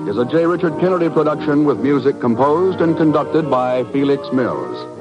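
A man with an American accent announcing in the polished, declamatory manner of an old radio announcer, reading from a script. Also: fairly high pitch. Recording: muffled vintage 1950s radio broadcast. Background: music.

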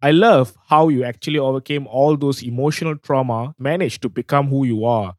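A man hosting a podcast, reading a scripted outro in an earnest, steady way. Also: mid-range voice, a little fast, no echo, studio quality. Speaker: podcast host.

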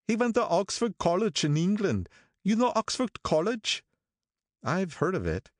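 Gloomy old gangster Wolfsheim. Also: male voice, sits high, sing-song, no room sound, studio quality, pitched above the performer's own voice, exaggerated voice. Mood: self-satisfied. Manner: slow, brooding, drawn-out delivery. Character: older male gangster, gloomy, sentimental, self-important.

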